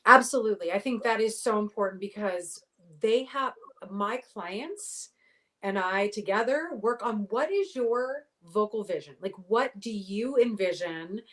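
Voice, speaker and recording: A middle-aged woman, a voice pathologist, giving clear explanatory interview answers full of sports analogies. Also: medium pitch, animated, unhurried, fairly bright tone. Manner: articulate, explanatory, uses athletic analogies. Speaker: voice pathologist guest.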